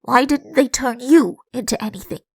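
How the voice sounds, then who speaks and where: A woman's voice: on the high side, moderate pace, slightly rough, no echo, studio quality. A woman voicing a vain, pompous prince who has been turned into a mixed-up animal, in a comic fairy tale audiobook. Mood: petulant. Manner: pompous, self-satisfied. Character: vain, pompous prince turned into a rabbit-lion-lamb creature.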